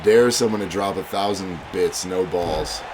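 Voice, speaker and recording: A man's voice: deep voice, a little slow. A man with a stuffy head cold, hosting a livestream, chatting casually with viewers and calling matches. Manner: chatty, reads donations and chat aloud. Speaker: livestream host and commentator. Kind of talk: casual stream chat with match commentary. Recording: loud music and crowd behind. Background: loud game music and crowd noise.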